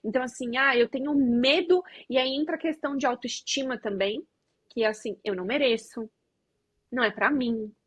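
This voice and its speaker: A woman hosts a podcast and speaks in a reflective, thoughtful way. Her voice is somewhat high and breathy. It is recorded close and dry, with no room sound. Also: fairly quick, a bit bright, no room sound. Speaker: podcast host. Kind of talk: casual conversation.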